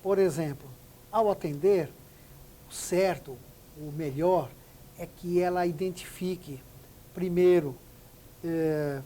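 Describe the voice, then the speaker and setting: Emphatic woman, mellow voice. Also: fairly low pitch, slow, long pauses, slight background noise, low-quality recording. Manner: emphatic, acts out phone examples. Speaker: etiquette expert guest. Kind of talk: interview on business etiquette.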